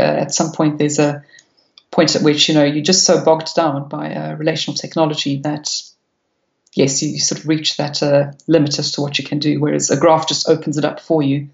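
Woman guest from South Africa, gravelly voice, flat delivery, many ums, echoey lo-fi room. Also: sits low. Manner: hesitant, many fillers, enthusiastic. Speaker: podcast guest. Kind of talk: technical interview answers. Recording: echoey room, dull lo-fi sound.

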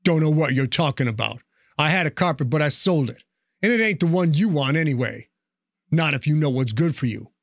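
A man voicing a sneering, hostile male thug with a gruff, curt delivery. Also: a little high, expressive, a little fast, dry recording, clean studio sound.

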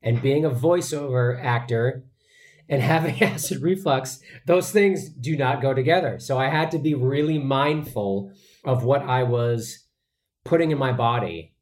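A man's voice: medium pitch, a little slow, darkish tone. A man, an actor, answering interview questions in an earnest, chatty way, with many fillers and restarts. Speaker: actor guest.

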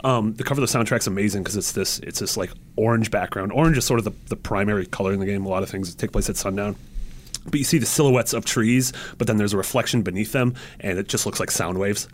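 A man's voice: fairly low pitch, fast, a little hiss or hum. A man chatting casually and jokingly on a panel podcast about games. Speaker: podcast host.

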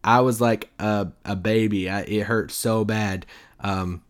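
A man co-hosting in casual sports podcast banter, his voice hoarse and giving out because he is sick. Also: on the low side, fairly even intonation, measured pace. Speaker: podcast co-host.

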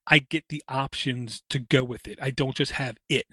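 A man's voice: medium pitch, fairly even intonation, normal speed, sharp tone, slightly rough, no room sound, studio quality. A man talking casually about hardware as a podcast co-host, enthusiastic and fond of homespun comparisons. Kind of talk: casual tech chat.

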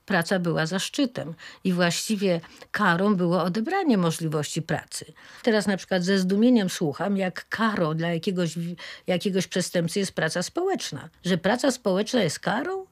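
An older woman reminiscing casually about her scouting youth, halting and often interrupting herself. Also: fairly low pitch, lively intonation.

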